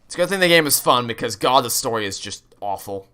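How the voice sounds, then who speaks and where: A man's voice: mid-range voice, expressive, quick pace, sharp tone, smooth. A man giving casual, chatty game commentary in a ranting, exasperated, sweary way. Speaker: gaming streamer playing through a game.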